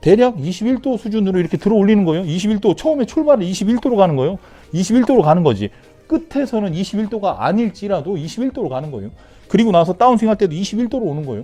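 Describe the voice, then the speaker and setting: A high-pitched man with a Chungcheong accent, lively intonation and a very fast pace. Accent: Korean regional dialect (Chungcheong). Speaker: golf club fitter and instructor. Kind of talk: golf lesson talk to camera. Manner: casual, folksy.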